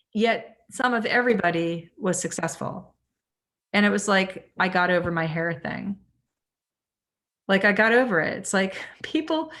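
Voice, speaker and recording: A woman's voice: fairly low pitch, a bit bright. A woman leading an online real estate training class, talking candidly and chattily, with lots of "like" and acted-out quotes of herself. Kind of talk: motivational online class talk. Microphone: video call.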